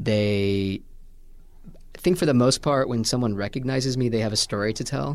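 Someone speaks in a plain, everyday voice with an American accent. The pace is moderate and the pitch variation ordinary. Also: man, medium pitch for a man. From US Midwest, southern Indiana. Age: 30s. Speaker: TV host and producer. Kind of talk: casual chat.

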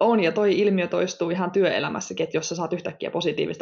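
Here a woman is talking. She goes at a very fast pace. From Finland. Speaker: podcast host. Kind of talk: casual interview chat.

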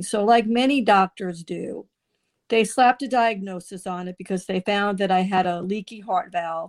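Recorded very cleanly against a silent background, a woman with a New York accent speaks with ordinary pitch variation in a dry, close sound with no echo. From New York City (Brooklyn). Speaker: energy healer. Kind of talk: interview.

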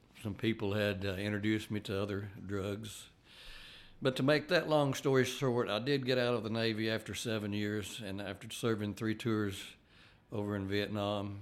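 Speaking with an Appalachian accent, a man keeps a moderate pace, a fairly low pitch and fairly even intonation. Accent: Southern US (Appalachian). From US South (Tennessee). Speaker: church Sunday school teacher. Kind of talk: testimony.

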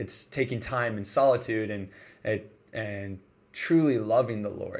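A man with an unremarkable speaking voice, medium pitch and ordinary pitch variation, at a fairly slow pace with an American accent, in a very clean recording with a silent background. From Detroit, Michigan. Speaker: college student. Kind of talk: interview.

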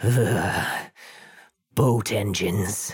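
A man uses a put-on character voice at a medium pitch. The recording is very clean, with a silent background. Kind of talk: formal speech without contractions. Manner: formal, stilted, eager.

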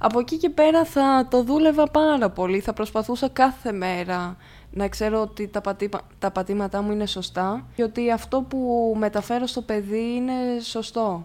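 With hardly any pauses, a woman speaks at a fairly slow pace in a fairly high voice with ordinary pitch variation, an ordinary speaking voice. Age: 20s. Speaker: survivor of domestic violence, hospitality worker. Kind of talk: testimony. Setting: studio.

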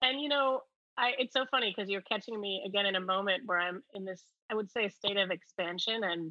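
A woman with an unremarkable speaking voice talks at medium pitch. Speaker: documentary filmmaker. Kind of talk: interview chat.

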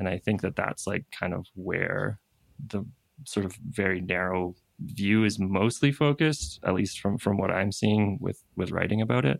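A man speaks in an ordinary speaking voice at a moderate pace, his pitch fairly low with ordinary variation. The sound is dry and close, with no echo. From East Coast of Canada. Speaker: freelance writer. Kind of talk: casual interview conversation. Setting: remote call over the internet.

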